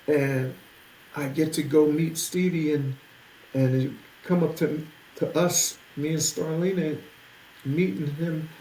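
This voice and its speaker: A man in his sixties, a musician guest telling animated stories in conversation, acting out other people's voices along the way. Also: on the high side, slow pace, slight background noise. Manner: lively, acts out others' voices in anecdotes. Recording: echoey room.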